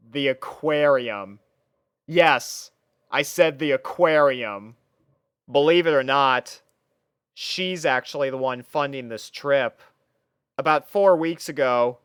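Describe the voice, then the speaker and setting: A man narrates a first-person story from a script. His voice is smooth and clear at a middle pitch, recorded close and dry. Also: a bit bright, no echo.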